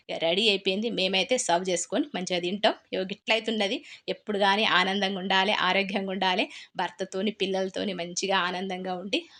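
A woman's voice: medium pitch, bright, forceful tone. A woman with a Telangana Telugu accent, chatting casually as a cooking vlogger and telling a story while she cooks, often repeating her phrases.

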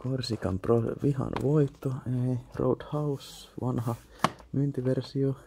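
A man's voice: medium pitch, steady tone, vocal fry, dark tone, a little hiss or hum. A young man with a Finnish accent, muttering casual commentary to himself while browsing an indoor flea market, with half-whispered asides and offhand swearing.

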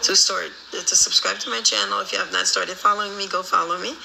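A woman's voice: medium pitch, steady tone, brisk, creaky, sharp tone, a little hiss or hum, low-quality recording. Chatty Haitian woman live-streaming. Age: 30s. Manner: chatty, switches between English, Creole and French. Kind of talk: casual live-stream chat reading comments. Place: small room indoors. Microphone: phone held close.

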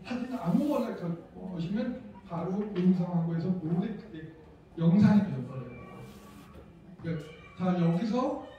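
A man's voice: high-pitched, warm tone. A middle-aged man teaching a hands-on workshop as an instructor, informally guiding people step by step. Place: wood-panelled seminar hall, indoors. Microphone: handheld microphone heard over room speakers, recorded from far off. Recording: echoey room, distant muffled mic, background noise.

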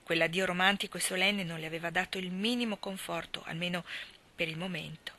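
A woman narrating an audiobook with expressive storytelling that sometimes drops to soft tones. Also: lowish voice, fairly quick. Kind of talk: audiobook reading.

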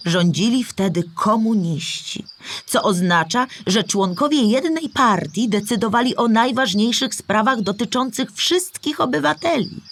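A woman's voice: a little high, expressive, a little slow. A woman playing a kindly old storybook animal who patiently explains history to a child in a children's audio play. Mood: patient, explaining. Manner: patient, clear explaining in simple words.

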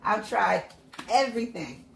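A woman's voice: medium pitch, sing-song, a little slow, gravelly, echoey room, a little hiss or hum. A woman with a stuffed-up, congested nose chatting in an upbeat way as she counts cash into envelopes at home. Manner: chatty, upbeat, self-encouraging. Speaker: budgeting vlogger. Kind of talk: casual narration while counting cash. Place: at home, at a table. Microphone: hands-only overhead camera, mic off-frame.

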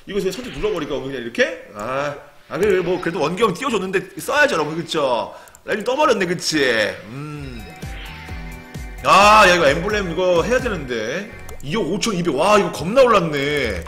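A young man streaming a game, commenting casually and excitably, muttering one moment and yelling and cursing the next. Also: fairly high pitch, normal speed, soft background music. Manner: excitable, swings from muttering to sudden yelling and swearing.

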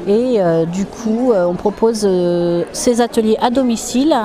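A woman hypnotherapist explaining her practice in an interview, calm and explanatory. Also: mid-range voice, unhurried, poor audio. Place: busy exhibition hall. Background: crowd chatter.

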